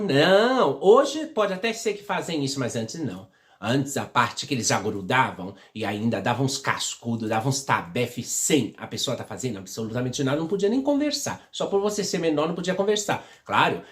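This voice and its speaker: A middle-aged woman from São Paulo, Brazil, tells personal stories to her viewers with feeling. She repeats herself often and keeps asking the audience if they follow. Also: low-pitched. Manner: emotional, repetitive, constant tag questions to viewers. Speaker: vlogger.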